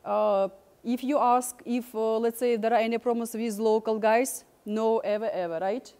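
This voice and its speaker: A middle-aged woman speaks to students in an encouraging, reassuring way. Her voice is mellow and a little high, and it rings in a big reverberant hall. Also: steady tone, moderate pace. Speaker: university staff member addressing students. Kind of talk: informal speech to students. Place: large library hall full of students. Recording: long reverb in large room.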